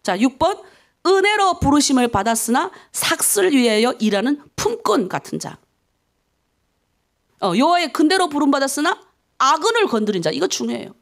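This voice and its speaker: A middle-aged woman pastor from North Korea with a North Korean accent, preaching a dawn prayer sermon, animated, swinging between loud and hushed. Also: high voice, normal speed, creaky.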